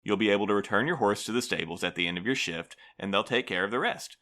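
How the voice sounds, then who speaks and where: An actor playing a prim, officious postal supervisor in an audio drama, formal, polite and unflappable. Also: male voice, fairly low pitch, fast, pushed and bright. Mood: brightly condescending. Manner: formal, bureaucratic, smoothly evasive.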